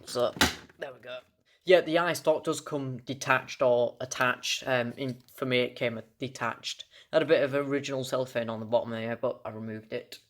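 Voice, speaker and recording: A young man with a British accent giving a casual, unscripted video review of a collectible, halting and often stumbling over his words before correcting himself. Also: medium pitch, fairly even intonation, fairly bright tone.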